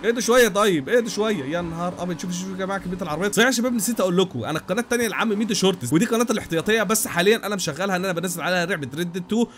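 A young man with an Egyptian Arabic accent giving rapid, animated gameplay commentary with frequent exclamations. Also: sits high, soft background music. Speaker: gaming YouTuber.

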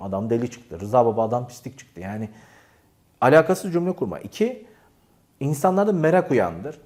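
A man talks straight to camera in an animated, teasing way, handing out self-improvement advice. His pitch swings widely as he acts out little examples. His tone is mellow and dark.

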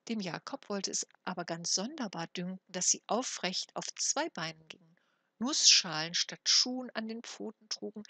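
Woman reading a fairy tale, bright voice. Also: mid-range voice, normal speed, dry recording. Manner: expressive storytelling. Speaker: audiobook reader.

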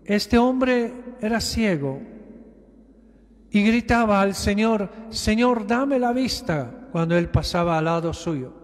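A bishop with a notably high voice preaches slowly and emphatically, leaning on repeated phrases. A long echo carries his words through a large church.

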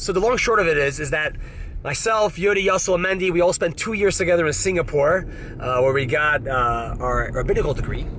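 A man in his thirties chatting casually to his handheld camera in a playful, excitable vlog style. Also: a little high, fairly quick. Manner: excitable, playful, breaks into whoops. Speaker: vlogger. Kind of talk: casual upbeat vlog chat. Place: car and house interiors, some outdoors. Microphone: handheld camera at arm's length. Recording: music over camera vlog audio. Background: loud music.

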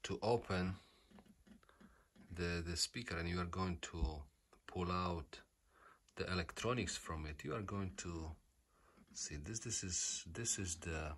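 A man who is not a native English speaker, giving an unscripted hands-on repair explanation in a halting, repetitive way, often saying okay. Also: sits low, a bit bright. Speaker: repair tutorial host. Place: indoors at home.

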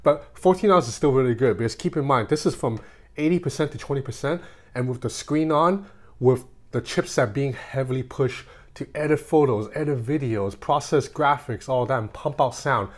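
A man's voice: medium pitch, normal speed. A man in his thirties giving a casual, conversational hands-on tech review in an informal way.

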